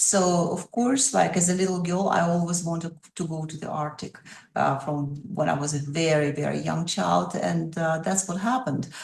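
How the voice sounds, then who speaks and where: In a Russian accent, a woman speaks at a fairly low pitch with a somewhat breathy voice. Her pace is moderate and her pitch varies in an ordinary way. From Russia (Soviet Union, Komi family, Kola Peninsula). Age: 60s. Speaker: artist. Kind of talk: interview.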